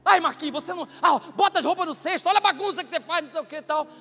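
A woman's voice: extremely high pitch, a bit bright, long reverb tail, faint music behind. Bossy scolding wife, as a preacher puts her on. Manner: brisk, nagging commands.

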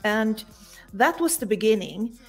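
A woman's voice: medium pitch, expressive, a little slow, faint music behind. A middle-aged woman from Sweden with a Swedish accent, telling her story conversationally as an interview guest on a video call. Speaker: guest, coach. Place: home room indoors.

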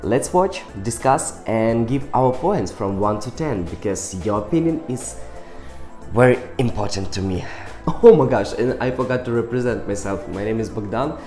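A man in his twenties from Ukraine, a native Russian and Ukrainian speaker, giving an excitable reaction commentary in simple English with small slips. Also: mid-range voice, normal speed, echoey room, faint music behind. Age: 20s. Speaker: music reaction vlogger. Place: small indoor room with ornate sofa.

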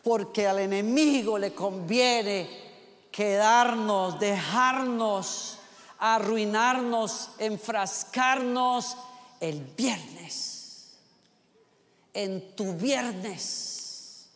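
A man's voice: sits high, very slow, fairly bright tone. A man preaching a sermon in an impassioned, emphatic way, with a lot of repetition and acted-out voices of doubters. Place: large church auditorium. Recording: reverberant hall.

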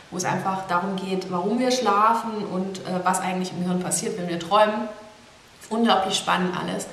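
Young woman vlogging at her desk, thinking out loud, roomy echo, bit of hiss. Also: mid-range voice. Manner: thoughtful, rambling, gestures a lot. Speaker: blogger. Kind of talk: casual talking-head vlog. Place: small indoor room with plain wall. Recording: echoey room with faint hiss.

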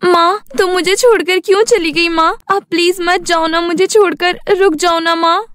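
A woman's voice: very high-pitched, steady tone, moderate pace, fairly bright tone, dry recording, studio quality, voice pushed up. A woman voicing a meek, sorrowful eighteen-year-old village girl in a cartoon, pleading and submissive. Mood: sad pleading.

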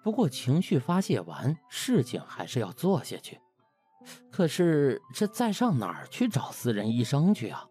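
A man narrating a comic novel in an expressive, colloquial storytelling style. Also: medium pitch, moderate pace, soft background music. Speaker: audiobook narrator.

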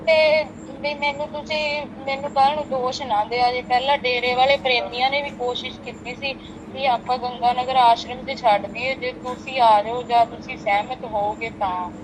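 High-voiced woman, pleading. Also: steady tone, moderate pace. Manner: pleading and emotional. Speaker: daughter of the elderly man. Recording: loud street background noise.

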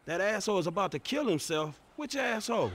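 A man's voice: high-pitched, very animated, brisk. An actor playing a streetwise, confrontational young man from the hood in a video game, slangy, sweary and incredulous. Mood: casual banter. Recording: loud noise behind the voice.

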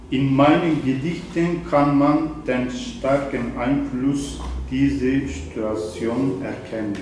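Recorded by a distant camera in a wine bar event room, this older man reads poetry at a literary evening, moving slowly from an introduction into a prepared reading. Born in Eastern Anatolia with Zazaki as his first language, he speaks haltingly, often saying um and correcting himself, in a medium-pitched, slightly mellow voice. The room echoes and there's a little hiss or hum.

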